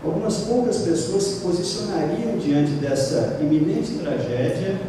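A middle-aged man with a Brazilian Portuguese accent, giving a spiritist lecture in a measured way and rising in pitch on key points. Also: background noise. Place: lecture room at a spiritist center. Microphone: stand mic, filmed from across the room. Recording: echoey hall from far off.

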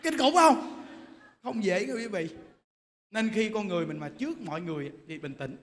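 A Buddhist monk giving a lively sermon, talking directly to his listeners. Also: high voice, moderate pace. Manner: lively, animated storytelling, addresses the audience directly. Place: temple hall. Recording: echoey hall with faint noise.

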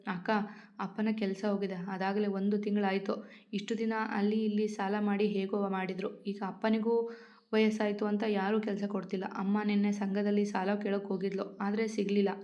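An anxious young college boy falters and pleads in a storybook reading, voiced by a woman. His lines come out haltingly, with little melody, and the audio is dull and lo-fi. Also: mid-range voice, level tone, dark tone, lightly acted. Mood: pleading. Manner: hesitant, pleading. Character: anxious young male student, wife's brother.

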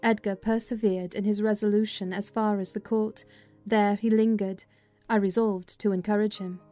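A woman reading as an audiobook narrator, with measured, dramatized storytelling of literary prose. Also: mid-range voice, level tone, warm tone, faint music behind.

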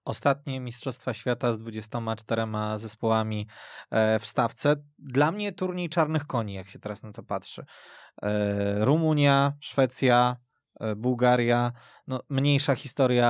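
A man's voice: medium pitch, moderate pace, clean tone, dry recording. Dry-sounding male sports podcast host. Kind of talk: conversational sports talk.

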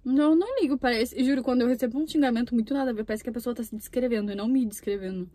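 A woman's voice: on the high side, rapid-fire, mellow, no room sound. A young woman from Brazil chatting casually between bites of food while filming a mukbang in a parked car, with the camera on the dashboard. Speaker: mukbang YouTuber. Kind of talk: casual chat while eating.

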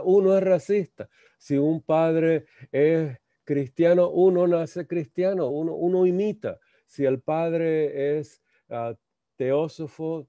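A man slowly lecturing on a spiritual text, halting and repeating words, asking rhetorical questions. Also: on the high side, dark tone, no echo. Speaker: lecturer on theosophy. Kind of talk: slow reflective spiritual lecture. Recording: muffled lo-fi dry sound.

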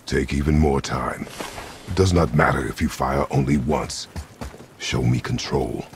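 An actor playing a stern, battle-hardened warrior father in a video game, gruff and gravelly, giving terse commands. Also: fairly even intonation, a little slow, slight background noise. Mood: stern, controlled. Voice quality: deep, gravelly. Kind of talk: dramatic video game acting.

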